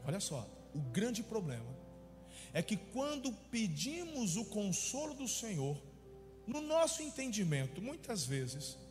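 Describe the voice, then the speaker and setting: Male pastor, high animated sermon voice, acts out voices; reverberant hall, faint music. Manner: impassioned preaching, acting out the people he quotes.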